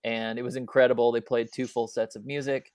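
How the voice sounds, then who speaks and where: A man telling a personal story as a guest speaker at an online talk, halting with many fillers and restarts, over a video call. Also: medium pitch, level tone, darkish tone, dry recording, studio quality.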